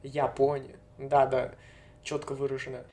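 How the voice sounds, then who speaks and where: A young man from Novosibirsk, a guest in a casual conversation, who talks in a relaxed, hedging way and chuckles often. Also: medium pitch, unhurried. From Novosibirsk, Siberia, Russia.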